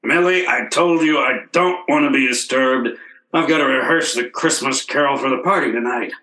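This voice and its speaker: An actor playing a stingy, self-righteous company boss in radio comedy, blustering and stammering. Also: male voice, mid-range voice, moderate pace, sharp tone, reverberant, lightly acted, poor audio. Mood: brisk. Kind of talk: old-time radio comedy acting.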